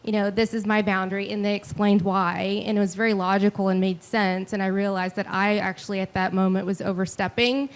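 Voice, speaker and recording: A woman's voice: medium pitch, little pitch movement, fairly quick, hardly any pauses. A woman in the audience sharing an earnest, heartfelt reflection. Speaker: audience member. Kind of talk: spoken comment from the audience.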